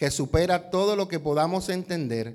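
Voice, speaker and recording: Recorded very cleanly against a silent background, a man talks at a moderate pace in a normal speaking voice. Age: 40s. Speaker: pastor. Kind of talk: sermon.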